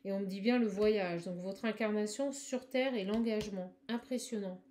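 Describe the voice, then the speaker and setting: A woman giving a spiritual card reading to viewers. She talks fast and effusively, with many exclamations, and addresses the listener directly. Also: mid-range voice, warm tone, a little hiss or hum. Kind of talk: live tarot-style channeling reading.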